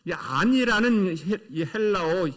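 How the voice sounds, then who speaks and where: Male pastor, middle-aged, preaching in church; voice sits high and swings widely, emphatic with rhetorical questions. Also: expressive, unhurried, fairly bright tone. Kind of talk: sermon. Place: church sanctuary.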